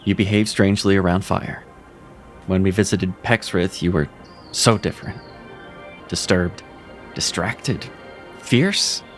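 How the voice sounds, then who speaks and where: A man playing Seraphin, a black and white male cat who leads and mentors, calm, reassuring and quick to blame himself. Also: low-pitched. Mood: steady. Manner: steady, reassuring, self-critical. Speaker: voice actor. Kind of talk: audio drama acting. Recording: music underneath.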